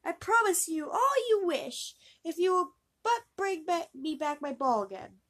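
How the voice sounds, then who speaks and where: A woman voicing a spoiled young princess in a fairy tale read-aloud, shrill and exclaiming. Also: lively intonation, measured pace, fairly bright tone, exaggerated voice. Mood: eager.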